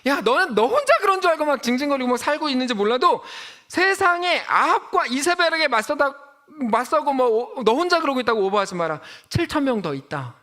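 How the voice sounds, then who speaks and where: Male pastor, high lively pitch, joking conversational sermon delivery. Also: fast, hardly any pauses.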